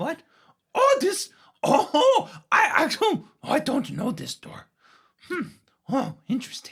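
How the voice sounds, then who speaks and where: A man uses a put-on character voice at an extremely high pitch. He goes at a fairly slow pace with long, frequent pauses. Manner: upbeat.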